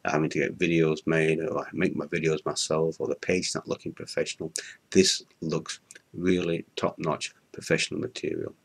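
An older man with a Yorkshire accent talks straight to a webcam in a room, his voice very low and a little husky. He speaks in halting, unscripted bursts, filling gaps with ums and uhs and restarting his sentences. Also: flat delivery. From Yorkshire, England. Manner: hesitant, many fillers and restarts. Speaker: product reviewer. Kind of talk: unscripted testimonial to camera. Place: indoor room in front of a curtain.

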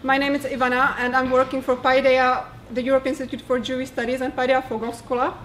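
A young woman with a Czech accent introduces a lecture in a small hall. Her voice sits high and she rushes along, stumbling over fillers, with faint room noise behind. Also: level tone, fairly bright tone. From Czech Republic. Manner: fast-talking with many fillers. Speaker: event organizer.

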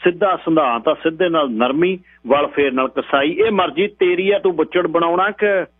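A man's voice: on the high side, moderate pace, dry recording, pitched above the performer's own voice, natural voice. A man voicing a stern, menacing police inspector who barks orders, heard over a tinny radio broadcast with a hum. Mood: commanding. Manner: bossy, menacing, orders people about. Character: stern middle-aged male police inspector.

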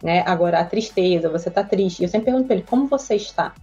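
A woman's voice: fairly low pitch, quick pace, warm tone, faint music behind. A Brazilian woman, a child psychologist, explaining emotions patiently in an interview, often checking in with "né?". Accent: Brazilian Portuguese. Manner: earnest, patient, explains step by step with frequent "né?". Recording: slightly dull lo-fi audio.

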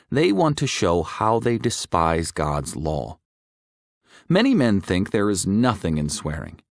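A man narrating a religious audiobook in a measured, clearly enunciated scripted reading. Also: mid-range voice, no room sound, clean studio sound.

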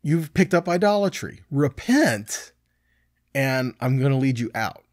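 A man's voice: medium pitch, lively intonation, a little slow, dry recording, clean studio sound. A middle-aged man teaching scripture conversationally, emphatic, posing rhetorical questions and checking in with his listeners. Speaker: Bible teacher. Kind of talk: conversational scripture teaching, reading verses and explaining.

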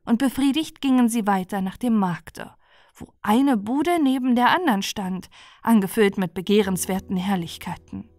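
A woman's voice: medium pitch, normal speed, a little mellow, dry recording, studio quality. A woman narrating a bedtime fairy tale as a storyteller. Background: music.

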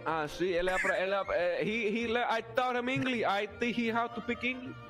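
A man's voice: sits high, brisk, music in the background. A man role-playing in character on a headset mic, with a put-on Latino accent and Spanish phrases mixed in. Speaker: role-play gamer. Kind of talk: in-character role-play chat.

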